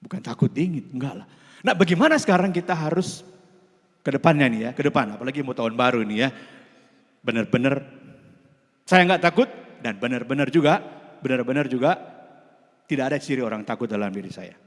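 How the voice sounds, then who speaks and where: A man with a Sundanese accent preaching a Christmas sermon in a church, lively and playful, with jokes and laughter. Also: medium pitch, a little fast, pauses often. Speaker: pastor. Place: church hall. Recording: long hall reverb.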